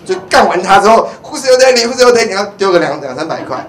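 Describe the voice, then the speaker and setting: A man's voice: sits high, sing-song, rapid-fire. A young man with a Taiwanese accent doing open-mic stand-up in a rambling, stammering way that repeats phrases. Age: young adult. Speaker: stand-up comedian. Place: small indoor comedy club stage. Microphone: handheld microphone. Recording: roomy live venue, background noise.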